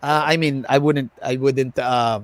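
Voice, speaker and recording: A man with an American accent chats casually and animatedly on a livestream, switching haltingly between languages with some self-deprecation. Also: medium pitch, steady tone, no echo. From United States, of Filipino family. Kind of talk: casual livestream chat mixing English and Tagalog. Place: online video livestream.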